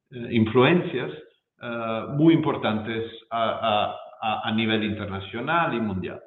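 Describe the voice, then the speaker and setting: A man with an Italian accent gives an academic talk in a roomy, echoing space, with slightly muffled sound. He speaks slowly and hesitantly, doubling back on words as a non-native speaker feeling for the next one. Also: medium pitch, creaky. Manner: halting, hesitant, repeats words while searching for them. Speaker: guest speaker, professor. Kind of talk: academic presentation. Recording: echoey room, muffled lo-fi sound.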